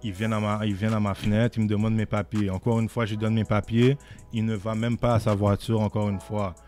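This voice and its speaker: A man's voice: lowish voice, quick pace, faint music behind. A young man with a Québécois French accent, casually telling a story as a podcast guest and often asking "tu comprends?". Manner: animated, repeats "tu comprends?" often.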